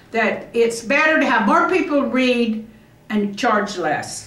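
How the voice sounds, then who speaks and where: In a room with audible echo, a woman speaks at a fairly slow pace, her pitch swinging very widely. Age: 80s. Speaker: vlogger and aspiring memoir author. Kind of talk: casual vlog monologue. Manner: rambling, halting. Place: home room. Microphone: camera far.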